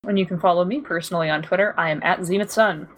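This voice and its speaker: A woman's voice: fairly low pitch, fairly even intonation, fast talker. A woman co-hosting a podcast in casual chat, dropping wry, joking asides. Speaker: podcast co-host.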